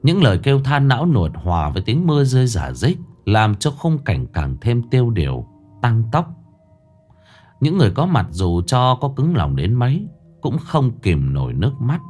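A man's voice: medium pitch, huge pitch swings, moderate pace, a little mellow. A man narrating a ghost story in a solemn, mournful storytelling voice. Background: faint music.

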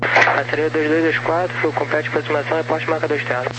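A man issues procedural instructions as an air traffic controller over aviation radio. His delivery is monotone, and heavy noise covers the transmission. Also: fairly high pitch, quick pace.

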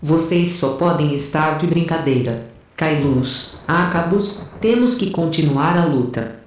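A woman's voice: deep voice, a little slow, a little mellow, a little hiss or hum. An actress playing a defiant, foul-mouthed female rebel soldier, brash and insistent, in an audio drama. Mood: defiant, urgent. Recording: very echoey, slightly distant.

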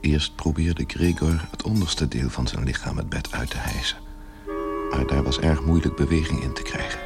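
A man narrating a literary radio play in a measured, grave manner with a gravelly, husky voice. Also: extremely low pitch, over music.

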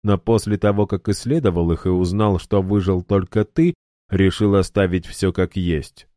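A man voicing a created guardian who answers in a cold, flat, terse way. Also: sits low, normal speed, no echo, studio quality, lightly acted. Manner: cold, flat, sparing with words.

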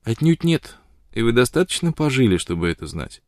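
A man's voice: mid-range voice, big pitch swings, fairly quick, darkish tone, no echo, clean studio sound, natural voice. A man voicing a bold, teasing young woman in an audiobook reading, with a light, mocking delivery.

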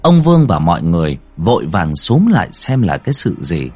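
A man narrating a ghost story in a dramatic, expressive storytelling manner. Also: deep voice, fairly quick, breathy edge, faint music behind.

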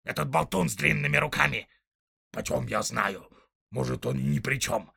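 A man's voice: mid-range voice, moderate pace, creaky, bright, forceful tone, husky, no echo, studio quality, full character voice. A man voicing a small, spiteful male orc tracker who whines, mocks and snarls. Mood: snarling. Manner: whining, snarling, mocking.

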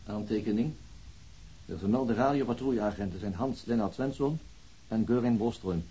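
Radio drama: formal male official, dark, gravelly-rough tone, dry reading of records. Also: lowish voice, normal speed, poor audio. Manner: formal, matter-of-fact.

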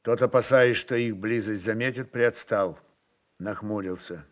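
A man narrating a literary story dramatically, with measured, expressive delivery. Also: lowish voice.

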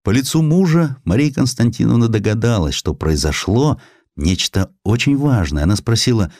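A man narrating a literary historical sketch as an audiobook, in an expressive, measured, dramatic storytelling manner. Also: medium pitch, no room sound, clean studio sound.

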